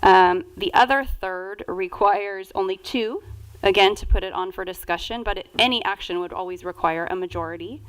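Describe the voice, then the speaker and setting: A woman speaking as a council member in a meeting, explaining things in a deliberate, halting way. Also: medium pitch, clear, resonant tone, rough recording. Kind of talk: council discussion.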